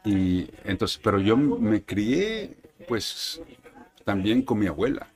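Un hombre de Brooklyn, de lengua materna inglesa, que habla con calma en una entrevista. Tiene una voz más bien grave. Divaga sin prisa y mezcla palabras en inglés. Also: male voice, lowish voice, slow pace. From Brooklyn, New York. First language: English. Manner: relaxed, rambling, mixes in English words. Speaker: actor, interview guest. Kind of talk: casual conversation. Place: indoor arcade.

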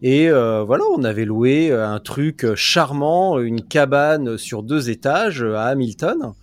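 A man's voice: mid-range voice, expressive, a little slow. A man hosting a podcast, chatting casually with his guests in a playful, teasing way. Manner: teasing, playful, frequent fillers. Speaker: podcast host.

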